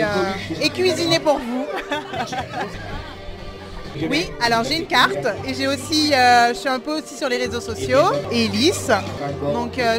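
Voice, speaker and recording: A woman with a high voice introduces herself in a friendly, slightly shy way. Loud music and a thick crowd fill the background at the market. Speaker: cook. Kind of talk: street interview. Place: outdoor street market.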